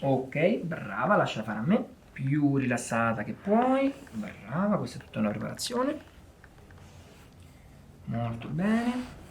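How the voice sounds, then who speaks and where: A man's voice: mid-range voice, very animated, slow pace, creaky, slight background noise. Soothing Italian man coaxing a patient. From Italy. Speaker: chiropractor. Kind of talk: coaching a patient through adjustments.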